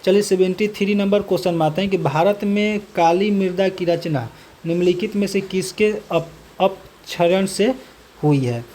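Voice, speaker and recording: With a warm, mid-range voice at a moderate pace, a coaching teacher works through a multiple-choice quiz. He reads every question twice, then gives the answer and option using the same fixed phrase. There's slight background noise.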